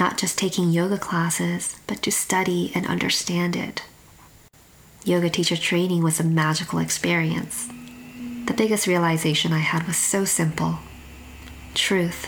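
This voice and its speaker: Fairly low pitch from a woman at a moderate pace, with fairly even intonation, long, frequent pauses and noticeable background noise. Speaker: intuitive eating coach, dietitian. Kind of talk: personal story, testimony.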